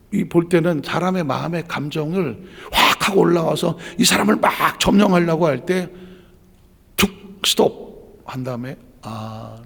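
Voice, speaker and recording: A man preaching a sermon as pastor, swinging between loud emphasis and hushed quiet passages. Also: fairly high pitch, gravelly, breathy edge, in a large hall.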